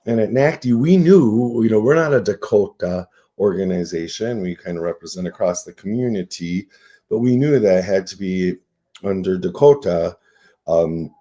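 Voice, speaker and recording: Earnest sixty-five-year-old man, mellow low voice. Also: lively intonation, moderate pace. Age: 60s. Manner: reflective, earnest, uses "right?" often. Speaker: nonprofit CEO, guest. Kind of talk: casual radio interview.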